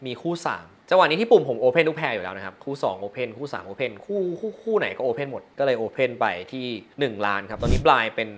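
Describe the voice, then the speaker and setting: A young man talks through his poker hands in a loose, chatty way, animated and quick to poke fun at his own mistakes. His voice sits at an ordinary middle pitch for a man, and he drops English poker jargon straight into his speech. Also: slight background noise. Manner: lively, self-mocking, mixing English poker terms into speech. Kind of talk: casual hand-review commentary.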